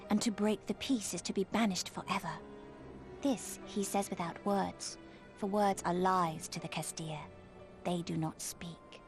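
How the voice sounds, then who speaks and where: Woman as a measured young tribal guide. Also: medium pitch, close to an everyday voice. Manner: measured, solemn, formal phrasing. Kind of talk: game cutscene exposition. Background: faint music.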